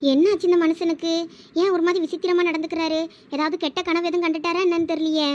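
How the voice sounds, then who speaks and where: A bubbly young cartoon wife, voiced by a woman, chatters in a very high, rapid voice with a Thoothukudi Tamil accent. She is playful and affectionate and exclaims often. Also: level tone, highs cut off, slight background noise. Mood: puzzled. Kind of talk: cartoon voice acting.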